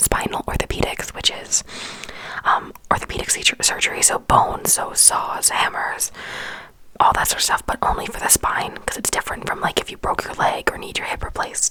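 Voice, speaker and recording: A woman's whisper moves at a fairly quick pace, with noticeable background noise behind it. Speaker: ASMR creator and former surgical nurse. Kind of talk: whispered ASMR rambling. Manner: whispered, soft-spoken.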